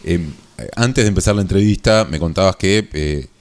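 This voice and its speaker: A man with a Rioplatense accent and a very low voice interviews a guest on the radio. He asks long, measured questions at a thoughtful pace. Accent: Rioplatense Spanish.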